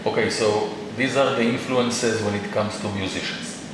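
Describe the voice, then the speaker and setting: A man asking interview questions in a slow, measured, polite way. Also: fairly low pitch, steady tone. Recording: echoey room, distant mic, noisy.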